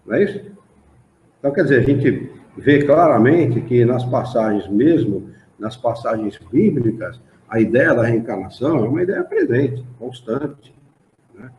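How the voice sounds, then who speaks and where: With a Brazilian Portuguese accent, a man leads a spiritist study class in an association's meeting room, explaining texts and putting rhetorical questions to the group. His medium-pitched voice is sing-song at a moderate pace, captured in a roomy, dull, lo-fi recording.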